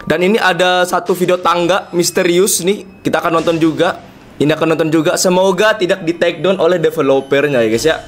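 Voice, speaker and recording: High-voiced young man livestreaming. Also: a little fast, slight background noise. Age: young adult. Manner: excitable, slangy, repeats phrases. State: slightly hoarse. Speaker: livestream host. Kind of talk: casual livestream chat. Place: indoor streaming desk.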